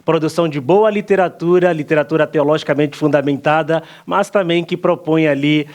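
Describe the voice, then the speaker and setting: A man from Angola with an Angolan Portuguese accent, softened by years in Brazil, speaks as a pastor and guest in a TV studio interview, explaining at length with frequent "ah" pauses. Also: a little high, steady tone. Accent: Angolan Portuguese, partly softened by years in Brazil.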